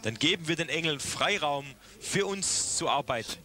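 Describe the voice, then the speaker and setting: A man interpreting a sermon phrase by phrase, speaking in quick bursts with frequent restarts. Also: a little high, lively intonation, music in the background.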